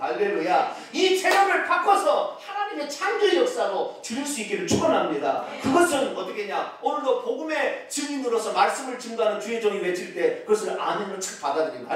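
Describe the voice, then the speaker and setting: A pastor preaches in a high, very lively voice with a regional Korean accent, swinging from loud exclamations down to near-whispers. He is picked up from well away from the mic, and the church sanctuary echoes heavily around him. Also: distant mic. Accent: Korean regional dialect. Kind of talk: sermon.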